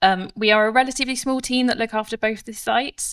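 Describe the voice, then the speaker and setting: A woman talks fairly quickly with an unremarkable speaking voice and normal pitch movement, captured on a very clean recording against total silence. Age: 30s. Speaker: heritage manager. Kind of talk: conference presentation.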